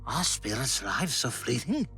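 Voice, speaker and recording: A performer playing a remorseful, tender old man in an audio drama, hushed and breathy. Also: medium pitch, very animated, unhurried, long reverb tail, faint music behind. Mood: troubled.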